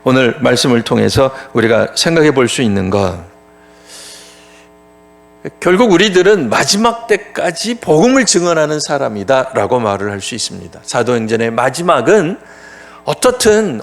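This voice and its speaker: Lively, fairly high-voiced male pastor. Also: creaky. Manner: conversational, asks and answers his own rhetorical questions. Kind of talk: sermon. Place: church.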